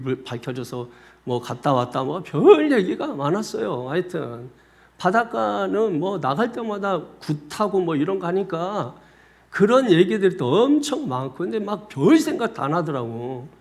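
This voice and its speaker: A man's voice: on the high side, moderate pace. A man, a senior pastor, preaching a sermon and telling a personal story, often speaking straight to his congregation. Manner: animated storyteller, often addressing the congregation directly. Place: church sanctuary.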